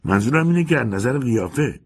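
Young lodger, anxious and eager, husky; a man voices him. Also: medium pitch, very animated, voice pushed up. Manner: restrained, eager questioning. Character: anxious young man searching for his lost love.

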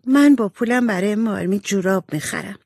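A woman voicing a gentle, sweet young girl who makes peace between her sisters in a soft, kindly way. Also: medium pitch, creaky, no echo, studio quality, voice pushed up.

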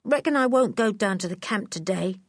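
A woman doing an excitable slangy circus boy. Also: mid-range voice, normal speed, dry recording, studio quality. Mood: worried. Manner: rustic slangy speech, eager exclamations. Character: excitable working-class teenage circus boy.

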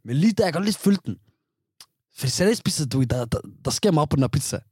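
A man with a slightly raised, husky voice chats loosely on a podcast. He spins his stories in slang, stumbling over restarts and breaking into laughter. The sound is close and dry. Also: on the high side, expressive, darkish tone, dry recording. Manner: laughing storyteller, slang-laced, many restarts. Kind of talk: casual chat.

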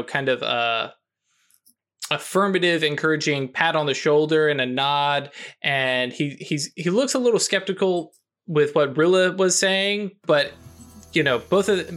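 A man narrating as game master of a tabletop role-play, talking in a halting way with many fillers and restarts. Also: fairly high pitch, fairly bright tone. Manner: halting, lots of fillers and self-corrections.

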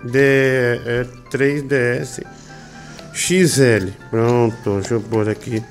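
A man from Brazil, hosting a casual live stream, slangy and teasing at an unhurried pace. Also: medium pitch, steady tone, soft background music. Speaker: livestream show host.

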